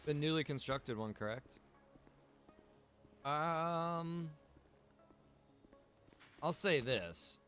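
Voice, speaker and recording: A man's voice: fairly high pitch, animated, extremely slow, pauses often, a bit bright, faint music behind. A man talking casually while playing an online game. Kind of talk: casual chat during a game.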